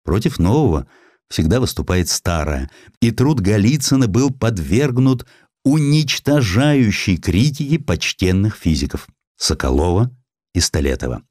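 A man reading a historical essay as an audiobook narrator, in an expressive, scripted literary style. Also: on the low side, no room sound, clean studio sound.

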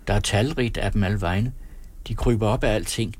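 A man reading a novel aloud in steady, descriptive scripted narration. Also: lowish voice, no echo. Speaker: audiobook narrator.

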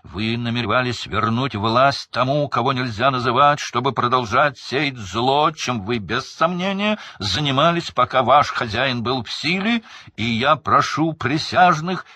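A man voicing a stern, hateful middle-aged magistrate who shouts his sentence at the accused. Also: deep voice, animated, normal speed, no echo, full character voice. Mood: furious.

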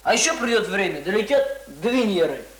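An actor in a radio play playing a plain-spoken, cocky young village student explaining things simply. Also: male voice, high-pitched, big pitch swings, brisk, fairly bright tone. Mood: earnest, confident. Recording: roomy, echoing radio drama recording.

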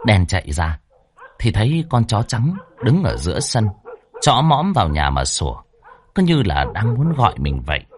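A man narrating a horror story with lively, dramatic delivery. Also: on the low side, moderate pace, a little hiss or hum.

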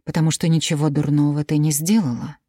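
A woman reading the lines of a kindly middle-aged uncle in an audiobook, soft and reassuring. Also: deep voice, flat delivery, quick pace, no room sound, clean studio sound.

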